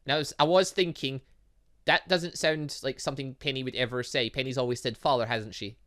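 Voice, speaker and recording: A man's voice: medium pitch, fairly even intonation, fairly quick, a bit bright. A man doing let's play commentary on a visual novel, reacting aloud and rambling off into asides. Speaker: gaming YouTuber reading a visual novel aloud.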